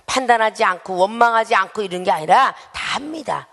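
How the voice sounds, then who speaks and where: A woman's voice: medium pitch, a little fast, fairly bright tone. A woman pastor preaching a sermon in a church, emphatic and calling out questions to the congregation. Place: church sanctuary. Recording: long reverberant hall sound.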